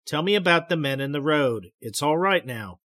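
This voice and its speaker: A man reading the lines of a doctor who calmly and gently guides a patient through hypnosis. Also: a little high, moderate pace, no echo, clean studio sound. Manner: calm, gentle, reassuring. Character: calm male doctor guiding a hypnosis session.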